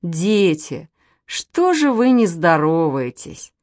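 A woman doing a mild polite dad, slow. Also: on the low side, very animated, no echo, studio quality. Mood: reproachful. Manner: gentle, slow, mildly reproachful. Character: mild, polite father of two girls.

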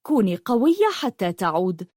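A woman voicing a kind young woman who asks gentle questions. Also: mid-range voice, sing-song, normal speed, no room sound, studio quality.

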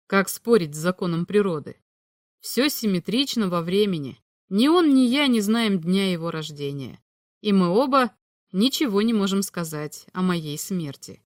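A woman reading a story aloud as narrator, with steady, clear storytelling. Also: mid-range voice, moderate pace, dry recording, clean studio sound. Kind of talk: audiobook reading.

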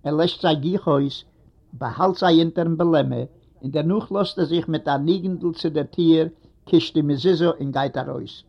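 A man reading a literary story aloud in a steady storytelling manner. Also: fairly high pitch, moderate pace, creaky. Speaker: narrator. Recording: dull lo-fi recording.

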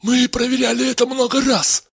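An excitable scientist in a storybook, gushing with admiration in a voice lifted far above normal, as a male narrator plays him. The sound is husky and dry, with a lively, swooping delivery. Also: very high voice, moderate pace, no echo, voice pushed up, full character voice. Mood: explaining. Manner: enthusiastic, breathless praise.

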